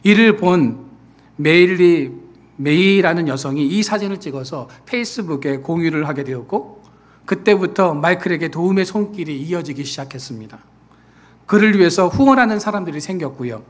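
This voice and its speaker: A man preaching a sermon as pastor, who acts out quoted people in lively voices and then falls back to a soft, earnest tone. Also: on the high side, moderate pace. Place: church sanctuary.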